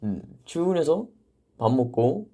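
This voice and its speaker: A young man hosting a casual livestream from a vocal practice room, reading viewer comments aloud and answering them in a relaxed, chatty way. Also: a little high, measured pace. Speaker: idol livestream host.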